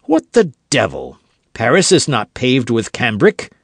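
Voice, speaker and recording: A man's voice: huge pitch swings, creaky, husky, dry recording, clean studio sound, exaggerated voice. A man doing Aramis, a cool ironic musketeer. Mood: mocking. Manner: measured, dryly mocking, low and controlled. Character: suave young musketeer-churchman, cool and ironic. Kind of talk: audiobook character voice.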